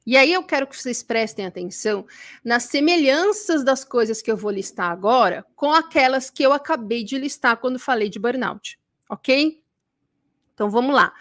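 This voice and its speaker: High-voiced Brazilian woman teaching. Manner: lively, acts out quoted people. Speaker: burnout recovery teacher. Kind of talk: live online class.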